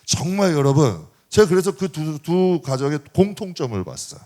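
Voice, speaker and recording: A middle-aged man preaching a sermon as pastor, talking to the congregation in a lively, conversational way and asking them frequent rhetorical questions. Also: a little high, normal speed. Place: church sanctuary.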